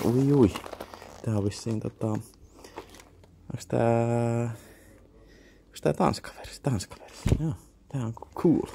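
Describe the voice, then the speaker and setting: A young Finnish-accented man mutters casual remarks to himself as he browses an indoor flea market, dropping half-whispered asides and offhand swearing. His voice is medium-pitched and creaky, and the background is noisy.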